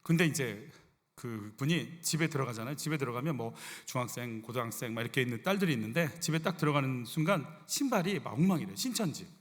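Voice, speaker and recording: Lively man preaching in a reverberant church. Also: mid-range voice, fast. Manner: animated, conversational preaching with rhetorical questions. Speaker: senior pastor. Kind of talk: sermon. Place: church sanctuary.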